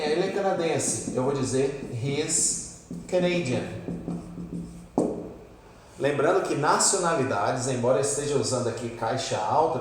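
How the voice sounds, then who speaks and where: A Brazilian man teaching English at a whiteboard in a mid-pitched voice, patiently repeating each word. He is recorded from far across a classroom, so the sound is distant and heavily echoey with a long reverb tail. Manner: patient, repeats words slowly for pronunciation. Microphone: camera at a distance.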